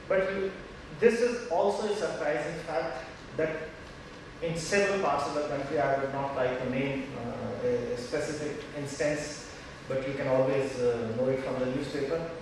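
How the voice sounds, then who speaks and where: Fairly high-pitched male speech at a moderate pace, ordinary pitch variation, strong room echo and noticeable background noise. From India. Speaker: senior police officer. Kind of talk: conference talk. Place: hall.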